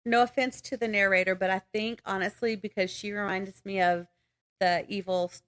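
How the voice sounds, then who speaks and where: Woman just chatting books on a podcast, informal and slangy, middle-pitched voice. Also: steady tone, normal speed. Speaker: podcast co-host. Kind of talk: casual book chat.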